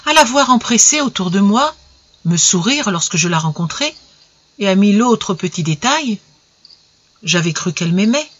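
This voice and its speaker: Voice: medium pitch, animated, moderate pace, fairly bright tone, slightly rough, lo-fi sound. A storybook narrator reading the inner thoughts of a heartbroken young shop clerk in despair.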